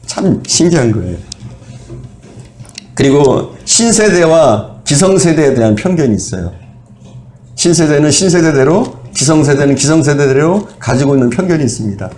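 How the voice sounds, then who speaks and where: A man's voice: a little high, animated, normal speed, a little mellow, roomy sound. A male pastor preaching a sermon in a conversational way, putting rhetorical questions to the congregation and listing examples in short phrases. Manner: lists items one by one in short phrases. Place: church sanctuary.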